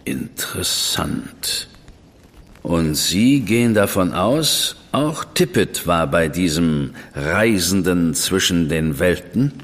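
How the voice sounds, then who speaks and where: An actor playing a stern, impatient official in a German radio drama, curt and disapproving. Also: male voice, low-pitched, expressive, slow pace, big-room sound, heavily acted.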